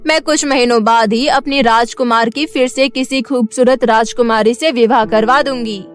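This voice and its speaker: A woman's voice: a little high, steady tone, moderate pace, lightly acted. A woman voicing an angry, haughty middle-aged queen and mother-in-law in a cartoon story, scolding and emphatic. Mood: stern, domineering. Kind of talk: Hindi cartoon story dubbing. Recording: music bed behind the voice.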